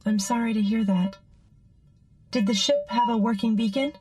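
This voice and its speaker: An actress voicing a gentle, caring female artificial intelligence companion in an audio drama, with a measured manner. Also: fairly high pitch, music in the background, close to an everyday voice. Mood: calm, caring.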